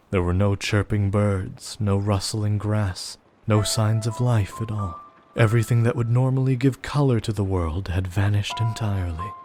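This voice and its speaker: A man narrating a gothic audio drama as a somber storyteller, grave, measured and literary. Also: lowish voice, natural voice. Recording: loud music behind the voice.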